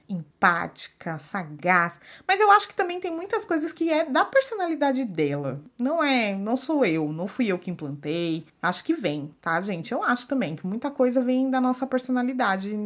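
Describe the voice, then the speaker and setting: A woman in her thirties from Brazil, a podcast host and mother, chatting casually and animatedly, acting out what other people say. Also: medium pitch. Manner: animated, expressive, acts out quoted people. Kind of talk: casual chat.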